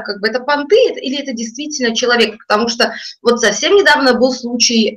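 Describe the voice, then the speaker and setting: A middle-aged woman, an English coach, telling stories in an interview and acting out the people she quotes. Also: on the high side. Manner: animated storyteller, voices the people she quotes. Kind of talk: lively interview talk with acted-out anecdotes.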